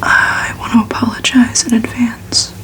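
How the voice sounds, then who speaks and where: A woman's voice: fairly high pitch, flat delivery, measured pace, a bit bright, poor audio. Whispering woman with a slightly cracked voice. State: getting over a cold, short of breath. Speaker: host of an ASMR reading channel. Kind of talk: whispered ASMR, soft novel reading.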